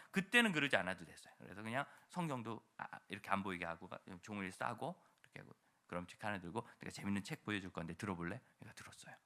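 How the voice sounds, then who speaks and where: A male pastor preaching a sermon in a church, telling a story and acting out the voices of the people in it. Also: on the low side. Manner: animated storytelling, acts out quoted voices.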